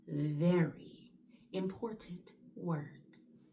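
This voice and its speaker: This speaker has an American accent and an animated tone. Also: woman. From West Virginia. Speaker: podcaster. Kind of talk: solo podcast monologue.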